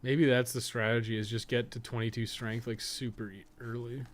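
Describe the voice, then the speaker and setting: A game guide writer who co-hosts a podcast provides easygoing play-by-play at normal speed, his mid-range voice showing little pitch movement. He muses aloud, quizzes himself, and slips off into asides.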